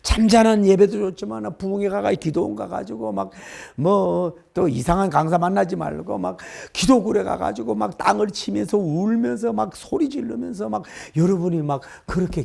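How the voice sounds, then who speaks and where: A middle-aged man preaches a sermon in a high, gravelly voice. He presses his congregation with repeated rhetorical questions and emphatic turns. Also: darkish tone. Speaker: pastor.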